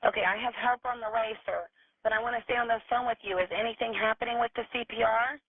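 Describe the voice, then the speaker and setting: A woman's voice: fairly high pitch, fairly even intonation, fast talker, slightly rough, dry recording. A woman working as an emergency dispatcher, asking questions and giving procedural instructions over a tinny phone line. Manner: procedural, directive.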